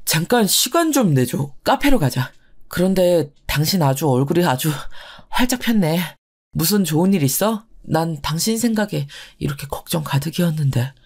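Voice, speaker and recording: A woman voicing a cheating ex-husband who smoothly pleads to get back together. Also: deep voice, expressive, normal speed, darkish tone, voice pushed down, full character voice. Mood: pleading. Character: cheating ex-husband begging to reunite.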